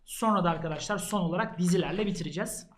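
A man's voice: high voice, rapid-fire, a bit bright, slight background noise. A male math teacher talks students through an exam prep book in an earnest, casual way, addressing them directly as he flips through its pages.

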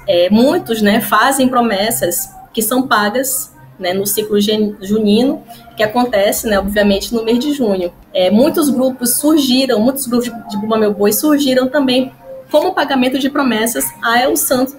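Brief: woman in her 30s, webcam talk with faint hiss, fairly high voice, lots of "né" fillers. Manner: frequent fillers and tag questions, gestures while explaining. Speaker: historian presenting research. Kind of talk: explanatory talk to camera. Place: small room at home. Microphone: webcam or laptop mic, video call framing.

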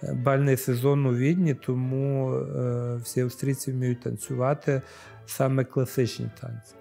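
A man's voice: medium pitch, normal speed, creaky, faint music behind. A man in his forties, a priest from Ukraine, answering interview questions thoughtfully with hesitant fillers and recorded on a lapel mic. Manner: thoughtful, hesitant fillers, lively when acting out scenes. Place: library studio, then outdoor courtyard.

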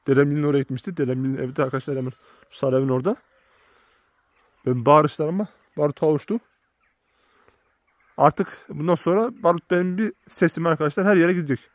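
A man's voice: a little high, dry recording, muffled recording. A man who works as a shepherd, talking casually to his viewers outdoors in a farmyard and often calling them friends. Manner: chatty, keeps addressing viewers as friends. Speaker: shepherd vlogger. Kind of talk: casual vlog narration to viewers.

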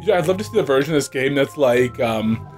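A man's voice: medium pitch, lively intonation, brisk, faint music behind. A man co-hosting a let's-play, making joking, teasing side comments. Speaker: game developer co-host. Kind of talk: casual let's-play banter. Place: indoor studio, seen on camera.

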